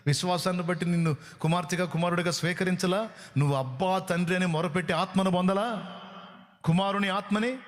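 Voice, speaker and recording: A man with a Telugu accent preaching a sermon, pressing his point with rhetorical questions and acting out what people say. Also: sits high. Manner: emphatic preaching with rhetorical questions and acted-out quotes. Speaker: pastor.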